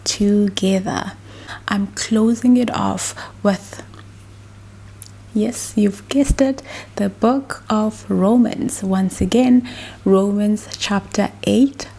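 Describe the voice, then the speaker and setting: South African female, soft half-whispered ASMR devotional read, mellow tone, unhurried, gently encouraging. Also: mid-range voice, breathy edge. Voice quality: soft, hushed, slipping into whisper. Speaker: host of Christian ASMR devotional. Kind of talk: soft-spoken, partly whispered ASMR Bible reading and prayer.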